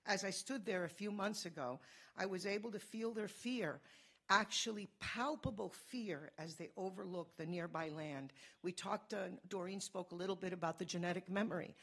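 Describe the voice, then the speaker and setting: A woman from Cuba giving a fast, earnest conference talk, telling a personal story. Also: on the low side, breathy edge. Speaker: conference speaker.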